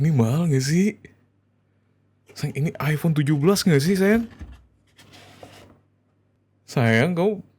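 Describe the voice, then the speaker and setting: This man's voice sits a little high as he acts out an ASMR scene, cast as a husband full of affection and excitement addressing his wife. He sounds expressive yet hesitant.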